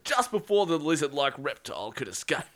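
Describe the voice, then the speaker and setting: A man's voice: fairly high pitch, very animated, brisk, fairly bright tone. A giggling man narrating a silly story. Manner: keeps breaking into laughter. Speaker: storyteller and host.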